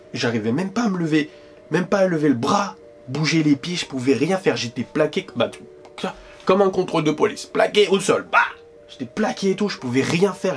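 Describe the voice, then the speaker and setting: Slangy, animated male storyteller. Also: mid-range voice. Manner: slangy, animated, addresses the listener with constant asides. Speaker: YouTuber telling a storytime. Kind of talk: casual storytelling to camera. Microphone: directional microphone.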